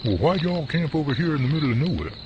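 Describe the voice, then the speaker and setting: A man playing an easygoing, animated camper. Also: a little high, fast talker, highs cut off, noisy background. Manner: polite, easygoing. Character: friendly helpful male camper. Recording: night crickets behind.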